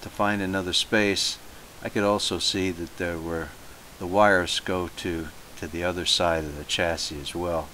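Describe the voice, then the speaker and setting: A man with a deep, low voice informally narrates his own homemade repair video as a hobbyist. He speaks haltingly, asking himself questions and working through them aloud, over a rough home recording with a steady, faint hiss.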